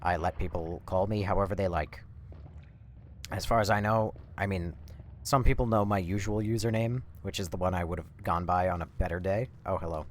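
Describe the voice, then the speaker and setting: A man doing casual live game commentary, rambling and swearing as he thinks out loud. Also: deep voice, fairly even intonation, a little fast. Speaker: live streamer. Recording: faint background noise.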